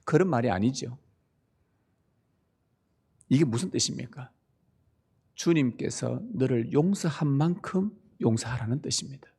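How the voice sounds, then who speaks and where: Gravelly, animated preaching man. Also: medium pitch, unhurried, pauses often. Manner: emphatic, asks the congregation rhetorical questions. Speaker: pastor. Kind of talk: sermon. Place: church sanctuary.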